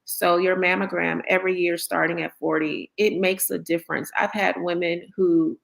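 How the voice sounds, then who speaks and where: A woman's voice: on the low side, little pitch movement, moderate pace, creaky. A woman surgeon as a talk show guest, explaining earnestly and stressing her points.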